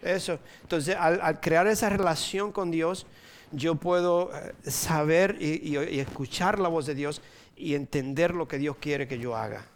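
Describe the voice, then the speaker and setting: A Dominican man in his sixties preaches in a loose, chatty way, with a Dominican Spanish accent and a voice that sits a bit high for a man. He jokes, chuckles often and drops in English words. A soft hum of room noise sits underneath. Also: unhurried. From Dominican Republic. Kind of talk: informal sermon with personal stories.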